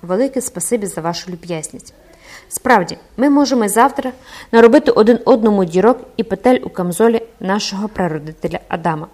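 A woman's voice: medium pitch, animated, fast talker, a little mellow, close to an everyday voice. Woman voicing a cocky young captain, brash, hot-tempered, mocking, audiobook. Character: boastful swaggering young male army captain.

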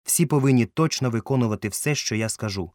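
A resolute young ship captain, as a male narrator reads him with steady, earnest authority in a plain mid-range voice. The reading is close and dry. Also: medium pitch, fast talker, dry recording, natural voice.

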